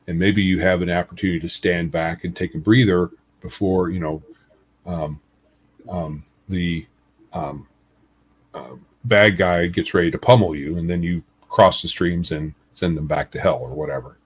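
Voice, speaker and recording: A man's voice: deep voice, steady tone, moderate pace, slightly rough. A man on a gaming podcast speaking casually, hesitant and full of ums. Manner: hesitant, many fillers. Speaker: podcast co-host. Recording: dull lo-fi audio.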